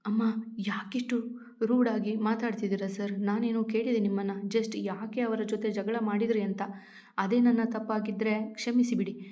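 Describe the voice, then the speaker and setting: A woman reading out a gentle young woman who begs tearfully and pushes back, in a storybook reading. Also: medium pitch, fairly even intonation, moderate pace, lightly acted. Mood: pleading. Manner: pleading, tearful. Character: gentle young woman, pleading yet defiant.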